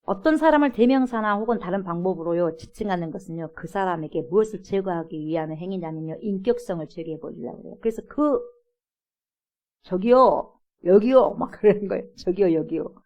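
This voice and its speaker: In a church, a woman pastor gives an early-morning prayer sermon, animated, acting out quoted voices and laughing often. Her fairly low voice moves fast with few pauses. The recording has its highs cut off.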